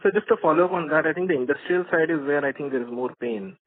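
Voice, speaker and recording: A man's voice: a little high, fast, no room sound. A man, an analyst, asking polite, direct questions on a conference call. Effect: conference call phone line. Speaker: financial analyst. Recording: dry tinny conference call line.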